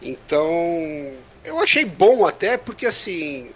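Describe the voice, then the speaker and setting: A man's voice: on the high side, sing-song, slow pace. A man with a Brazilian Portuguese accent giving casual analytical sports commentary, often tagging phrases for agreement. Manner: frequently adds tag questions seeking agreement. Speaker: sports podcast panelist.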